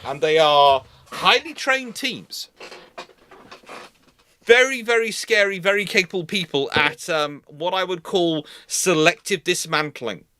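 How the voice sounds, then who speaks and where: Higher-pitched man, emphatic explainer. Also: animated, a little slow, pushed and bright. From Britain. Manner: emphatic, repetitive, digressive explaining. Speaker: naval history show host. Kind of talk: live question and answer discussion.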